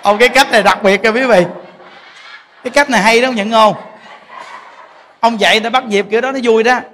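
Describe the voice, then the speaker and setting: A man's voice: extremely high pitch, fast talker, a bit bright. A man giving a folksy Dharma talk to a temple congregation, coaxing them with questions. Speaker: Buddhist monk teaching. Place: large temple hall with congregation. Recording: long hall reverb, faint noise.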